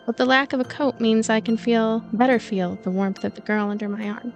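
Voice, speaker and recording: A woman with a higher-than-average voice narrates a visual novel expressively. She slips into casual asides between passages, and game music plays faintly underneath. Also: fairly even intonation, brisk. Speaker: let's play narrator and commentator.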